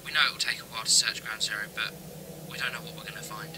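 A loyal young male student acted by a man in an audio drama. He talks fast and sincerely, with clear noise behind him. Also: mid-range voice, close to an everyday voice. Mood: sombre. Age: young adult. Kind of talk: amateur audio drama acting. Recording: noisy background ambience.

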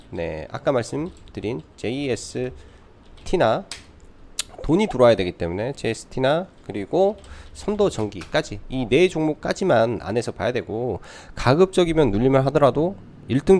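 Male stock commentator with lively, gravelly delivery. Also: medium pitch. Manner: explanatory, poses questions then answers them. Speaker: stock market commentator and trading adviser. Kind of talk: live stock market recap commentary.

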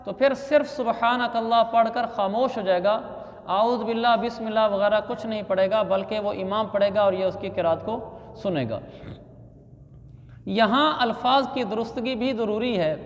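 A male Islamic scholar giving a religious lesson who corrects pronunciation and repeats words slowly and deliberately. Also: very high voice, steady tone, big-room sound, lo-fi sound. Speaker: Islamic scholar teaching prayer.

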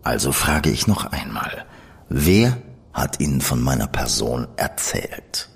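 An actor playing a shrewd, menacing gentleman schemer who speaks in a smooth, ironic and condescending manner. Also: a bass voice, sing-song, slow, full character voice. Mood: cold. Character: shrewd, cool male gentleman spymaster, coldly menacing. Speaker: gentleman in an audio drama. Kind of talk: studio audio drama acting.

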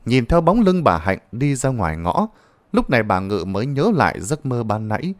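A man's voice: medium pitch, very animated, normal speed, dry recording. A man narrating a ghost story in a dramatic, suspenseful manner.

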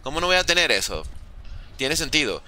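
Lively bright-voiced streamer man. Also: on the high side, fairly quick. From Venezuela. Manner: reads chat aloud and jokes with viewers. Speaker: gaming streamer. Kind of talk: casual live-stream chat while playing. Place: at home, room with a window.

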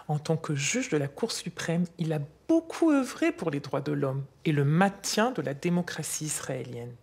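A woman in her sixties plays a grandmother earnestly and patiently explaining wartime history to her granddaughter in scripted French dialogue. Her low, darkish, slightly rough voice is very animated and exaggerated, at normal speed. Faint music plays behind her.

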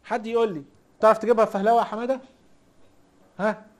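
High in pitch, fast, and fairly even in intonation, this IT instructor speaks with an Egyptian accent during an easygoing recorded lesson. He banters and teases, quizzing the class nonstop with rhetorical questions.

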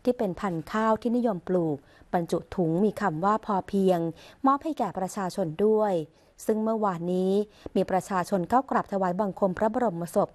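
A news reader with a medium-pitched voice, she delivers the royal court news as a formal broadcast voice-over. Her tone remains even, measured and ceremonious throughout, following the steady scripted cadence typical of an official news bulletin.

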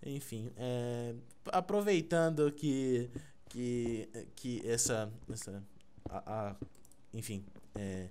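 A man's voice: medium pitch, slow pace, darkish tone, slight background noise. A young Brazilian man hosting a gameplay video, teasing his friend in rambling casual chat full of fillers. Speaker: gaming YouTuber.

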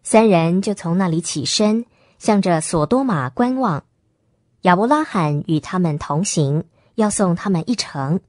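A woman narrating Bible passages in a calm, even storytelling manner. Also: lowish voice, unhurried, dry recording, clean studio sound. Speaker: scripture reader.

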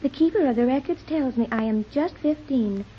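A woman's voice: high voice, fairly quick, breathy edge, dull audio. An actress playing a precise, formal fifteen-year-old girl in a 1930s radio drama, speaking in a detached, proper manner.

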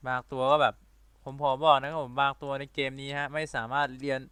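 A man giving excitable let's-play commentary, talking in rapid-fire bursts with playful loud exclamations. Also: mid-range voice, clean tone, no echo. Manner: rapid-fire talker who admits he talks too fast and runs out of breath. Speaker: gaming video creator.

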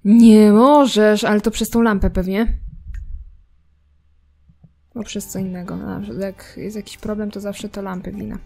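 A woman's voice: mid-range voice, level tone, unhurried, gravelly, pauses often, warm tone, breathy edge. A woman casually commenting while playing a life simulation game, chatty and teasing, talking to her characters and their cat. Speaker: gameplay streamer.

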